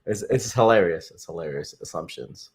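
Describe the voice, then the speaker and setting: A man's voice: low voice, expressive, normal speed, breathy edge. A young Canadian man talking casually on a livestream, answering viewer comments in a rambling, upbeat way with lots of fillers and repeated phrases. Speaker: crypto livestream host.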